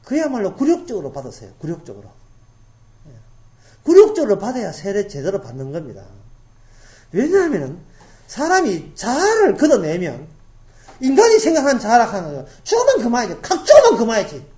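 A middle-aged woman from Daegu preaching a sermon as pastor, repeating key phrases and swinging from loud emphasis to hushed asides. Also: medium pitch, wildly swooping pitch, brisk, pauses often. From grew up in Daegu, South Korea.

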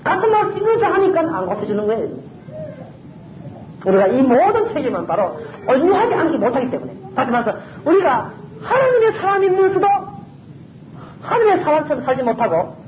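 Animated high-pitched preacher in a roomy hall. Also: fairly quick, muffled recording, noisy background. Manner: emphatic, repeats key phrases. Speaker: pastor. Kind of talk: sermon.

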